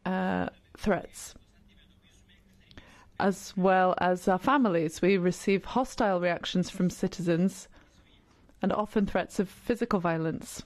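A woman giving simultaneous interpretation of a debate speech, brisk and pausing on filler sounds between phrases. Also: medium pitch, a little mellow. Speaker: conference interpreter.

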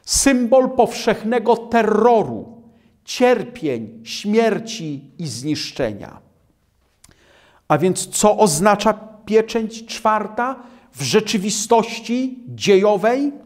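A man preaching a sermon on scripture in a slow, emphatic way, with dramatic drops in his voice. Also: sits high, very animated, darkish tone.

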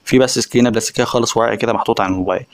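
A man's voice: mid-range voice, fairly even intonation, rapid-fire. A man with an Egyptian accent giving a casual, chatty phone review voice-over, speaking directly to viewers. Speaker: tech reviewer.

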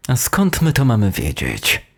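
A man's voice: medium pitch, wildly swooping pitch, a little slow, husky, heavily acted. A man voicing a smug, calculating teacher in an audio horror story, coolly reassuring. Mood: calm, dismissive. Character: smug, calculating male teacher, secretly a killer.

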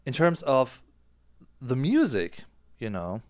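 German-accented streamer in his thirties, lively pitch, smooth clear tone, dry close headset sound; casual and explanatory. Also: takes it slowly, dry recording. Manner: animated, gesturing with his hands. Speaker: music reaction streamer. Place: small indoor room.

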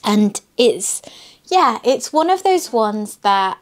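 A middle-aged British woman with a slightly husky voice and a slight cough, chatting casually as she crafts. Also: on the high side, sing-song, slow. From United Kingdom. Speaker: craft channel host. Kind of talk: casual chat while crafting. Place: indoors at a wooden table. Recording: clear background noise, handling crinkles. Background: crinkling and clicks of craft materials.

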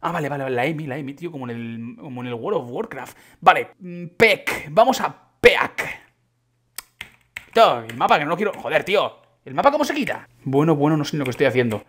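A young man with a Spain Spanish accent giving casual, excitable commentary on his gameplay, chatting to his viewers and breaking into sudden shouts. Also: a little high, fairly quick. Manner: chatty, addresses viewers as chicos. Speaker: gaming YouTuber.

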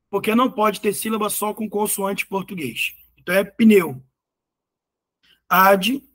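A man with a rather high voice teaches at an unhurried pace. He goes through exam answers patiently, splitting words into syllables and repeating them. He often pauses to check whether the students are following. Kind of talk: explaining exam questions.

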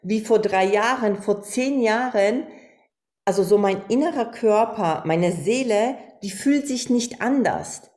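A woman's voice: medium pitch, a little slow, a little mellow. A middle-aged woman from Poland, a podcast guest on a video call, talking earnestly and reflectively about her path. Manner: earnest, reflective, acts out quoted voices. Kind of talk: candid interview talk. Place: home room, indoors.

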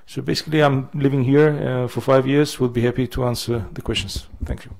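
A man's voice: mid-range voice, fairly even intonation, fairly quick, gravelly, a little mellow. A middle-aged man from Russia, introducing himself on a panel in a lecture hall.

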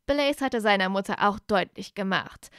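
A woman reading her own fan fiction aloud in calm, steady audiobook narration on a close mic. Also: mid-range voice, moderate pace, smooth, no echo. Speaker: fanfiction reader.

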